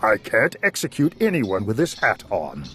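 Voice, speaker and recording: A man's voice: on the low side, huge pitch swings, moderate pace, fairly bright tone. A man voicing a pleasant, friendly executioner who speaks in a mild, easygoing way.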